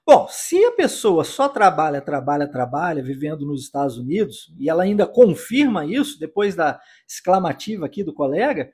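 A man's voice: high-pitched, breathy edge. Upbeat Brazilian man teaching English. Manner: upbeat, drills phrases slowly for repetition. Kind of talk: English lesson for Portuguese speakers.

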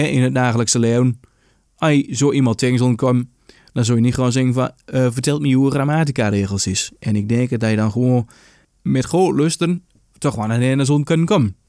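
A man's voice: medium pitch, darkish tone, no echo, studio quality. A man hosting a podcast. He reads an old text aloud and translates it line by line, rephrasing often with many fillers. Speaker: podcast host.

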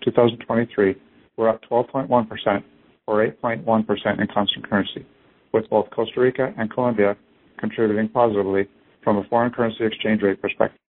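A man reading a scripted business presentation as a company executive on an earnings conference call. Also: lowish voice. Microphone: conference call phone line. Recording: narrow tinny phone-line audio.

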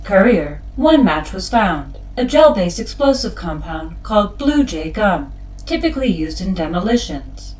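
An actress playing a formal, literal spaceship AI in an audio drama, speaking in a precise, officious manner. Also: female voice, mid-range voice, echoey room, lightly acted, low-quality recording.

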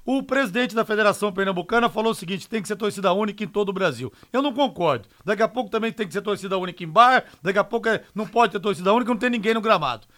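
A man's voice: sits high, expressive, very fast, hardly any pauses, a bit bright. A man hosting live sports radio talk in an emphatic, conversational way. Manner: emphatic, conversational, punctuated with rhetorical tags.

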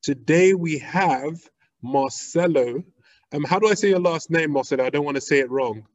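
A man hosts a podcast in an easygoing, friendly manner and sprinkles his questions with "you know." His voice is a little higher than average. The sound is dry, with no room echo. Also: normal speed, highs cut off. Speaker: podcast host. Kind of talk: podcast interview.

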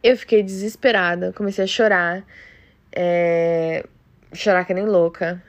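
A young woman with a Brazilian Portuguese accent, telling a personal story to camera in an emotional, animated way, with frequent asides to the viewer. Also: lowish voice, unhurried. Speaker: vlogger, former au pair.

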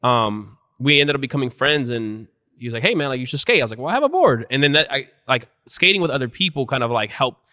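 A man hosting a casual interview, relaxed, backing up the guest with frequent agreement. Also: medium pitch, fast talker, few pauses, no room sound. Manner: relaxed, frequent "yeah, yeah" backchannels. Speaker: interviewer, podcast host.

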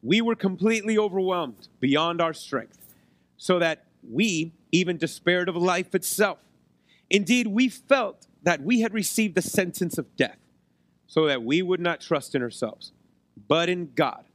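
A male preacher with a fairly high voice that sounds hoarse and worn. He delivers his sermon conversationally, putting short questions to the congregation as he goes. The sound is dry and close on the microphone. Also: dry recording. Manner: conversational, checks in with rhetorical questions. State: hoarse, losing his voice, occasional cough.

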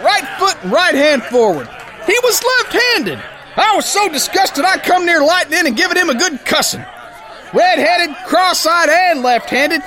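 A man's voice: very high-pitched, bright, forceful tone, heavily acted. An actor playing a brash, good-hearted young sailor boxer who spins his yarn in folksy tough-guy slang for a radio comedy. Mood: exasperated, excited. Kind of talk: old-time radio comedy, first-person yarn spinning.

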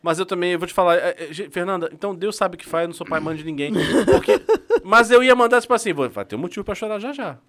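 A man's voice: sits high, fast, few pauses, a bit bright. A man with a Brazilian Portuguese accent co-hosting a podcast, telling playful, joking stories in casual chat. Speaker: podcast co-host.

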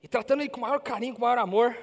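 Brazilian male preacher, very high voice, animated sermon storytelling, long hall reverb. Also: racing. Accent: Brazilian Portuguese. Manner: animated, acts out dialogue. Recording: reverberant hall, faint music.

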